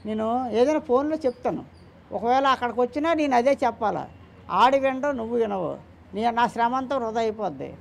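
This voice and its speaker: Slight background noise sits under the very high-pitched, gravelly voice of an older man, the father of someone in the news, as he answers questions about his son. His intonation is lively and his pace fairly quick, and he speaks emphatically, often repeating himself or quoting others.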